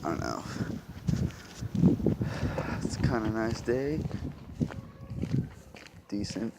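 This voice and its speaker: A man's voice: fairly low pitch, very animated, slow pace. A young man vlogging as he walks outdoors along a street, chatting casually in a rambling way with profane, sarcastic asides, filmed on a handheld phone. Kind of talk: casual vlog chat while walking. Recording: loud outdoor noise from traffic. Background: traffic and outdoor sounds.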